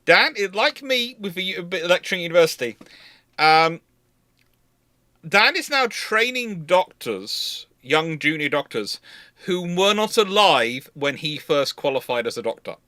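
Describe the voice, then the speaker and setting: A man in his thirties chatting casually as host of a group livestream, halting and often repeating words as he goes. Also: sits high, very animated, sharp tone, no room sound, studio quality. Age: 30s. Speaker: host and university lecturer.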